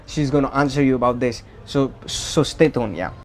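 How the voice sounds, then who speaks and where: A man hosting a Christian show, speaking earnestly and haltingly with many restarts. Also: mid-range voice, slight background noise. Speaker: host. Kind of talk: casual Christian encouragement.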